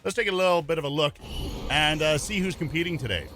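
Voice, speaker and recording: A man co-casting an esports event, halting at times, then upbeat. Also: on the high side, a bit bright. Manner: hesitant starts, then upbeat promo delivery. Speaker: esports co-caster.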